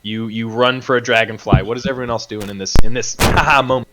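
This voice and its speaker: A man with a middle-pitched voice, narrating a tabletop game as game master. He is relaxed and loose, stopping and restarting as he describes the scene. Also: fast, very noisy. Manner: relaxed, many fillers and restarts.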